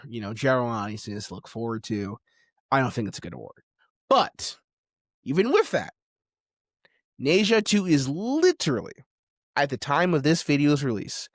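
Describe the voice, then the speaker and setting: Male video essayist, mid-pitched, emphatic and opinionated, dramatic pauses, dry close recording. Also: no room sound.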